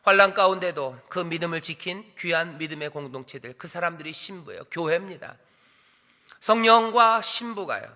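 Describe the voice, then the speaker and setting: A man's voice: fairly high pitch, animated, moderate pace, pushed and bright. A man, a pastor, preaching a sermon in a church, asking the congregation questions and repeating cries of invitation. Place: church sanctuary. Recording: long hall reverb of a church.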